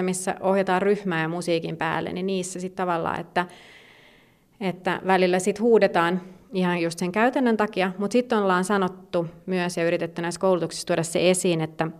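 A woman's voice: on the low side, steady tone. A woman speaking as an expert in a conversational interview, explaining at length with many fillers and restarts. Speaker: gymnastics federation expert.

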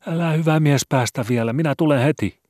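A man voicing a panicky, timid male village cantor who shouts high-pitched, frightened pleas in a storybook reading. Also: lively intonation, no echo, clean studio sound, close to an everyday voice.

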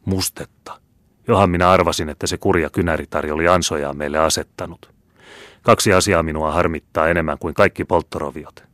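A man's voice: low-pitched, fairly even intonation, fairly bright tone, no room sound, clean studio sound. A man voicing a stout, blustering old army captain who curses and grumbles. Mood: outraged. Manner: gruff, cursing, boisterous.

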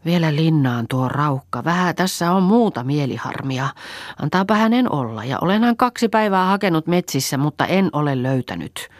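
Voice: medium pitch, no room sound, clean studio sound, pitched above the performer's own voice, lightly acted. A reader doing a pleading, anxious farm wife. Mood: weary. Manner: pleading, trembling voice. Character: anxious, pleading peasant woman. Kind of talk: audiobook character voice.

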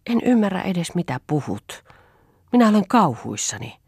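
A soft-hearted young woman in an audiobook, read by a woman, hesitant and bewildered. The voice rises and falls widely, recorded close and dry. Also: on the low side, sing-song, creaky, husky, dry recording, voice pushed up, full character voice.

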